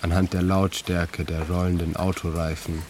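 A man reading his own literary prose in a calm, measured, reflective way. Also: deep voice, noisy background. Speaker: author and narrator. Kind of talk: scripted literary narration.

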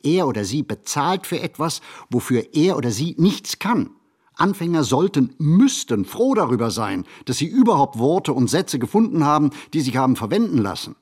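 An actor playing a reflective ageing writer in a literary radio play monologue, phrasing in a measured, deliberate way. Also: male voice, on the high side, sing-song, darkish tone, husky. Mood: wry, reflective. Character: reflective ageing male writer recalling a poor childhood.

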